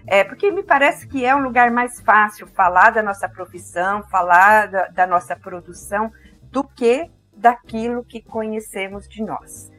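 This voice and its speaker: An older woman with a caipira accent from interior São Paulo speaks reflectively about herself in conversation, pausing thoughtfully to search for her words. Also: mid-range voice, a bit bright, soft background music. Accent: caipira accent of interior São Paulo, with a strong R. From interior of São Paulo state, Brazil. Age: 50s or older. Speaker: interview guest.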